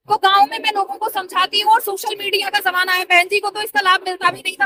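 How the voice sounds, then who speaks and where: Thirtysomething woman, real high bright voice, earnest and persuasive, answering an interviewer. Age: 30s. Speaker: party worker interviewee.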